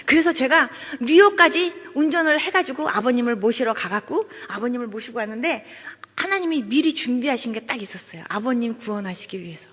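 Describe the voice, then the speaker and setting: A woman pastor with a high, breathy voice tells her testimony as a sermon. She plays out each person she quotes as she goes. Her words ring through a large church hall with a long echo. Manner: animated storytelling, acting out quoted voices. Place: church sanctuary.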